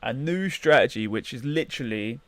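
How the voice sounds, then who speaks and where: A man's voice: medium pitch, animated, normal speed, fairly bright tone, no room sound. A man hosting a casual live trading stream, chatting and muttering to himself as he checks charts. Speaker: livestream trading host.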